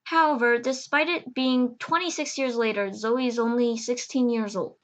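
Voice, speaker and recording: A woman's voice: a little high, fairly even intonation, normal speed, lo-fi sound. A woman reading scripted narration for an audio drama.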